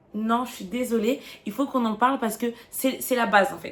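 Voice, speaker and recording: Fairly high in pitch, a woman speaks in an animated tone with ordinary pitch variation. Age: 20s. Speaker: YouTuber giving life advice. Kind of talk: vlog talk to camera.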